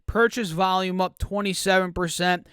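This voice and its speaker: Chatty higher-voiced man talking stocks. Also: fairly even intonation, a bit bright, clean tone, no room sound, clean studio sound. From United States. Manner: chatty, reads earnings numbers with quick asides. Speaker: stock market YouTuber. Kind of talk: casual market commentary.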